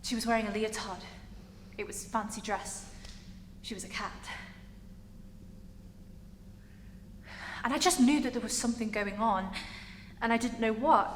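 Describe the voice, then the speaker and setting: A woman playing a hurt, defiant young gay woman in a halting, emotional theatre monologue. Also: a little high, close to an everyday voice. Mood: tender, confessional. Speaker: acting student. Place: large reverberant indoor room. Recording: echoey hall with background noise.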